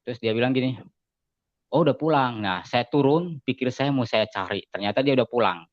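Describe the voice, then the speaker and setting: A man giving a casual spoken testimony as an interview guest, telling his story in an animated way and acting out the lines of other people. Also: fairly quick, no echo. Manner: animated storytelling, acting out quoted dialogue with raised pitch. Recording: dull, slightly lo-fi dry sound.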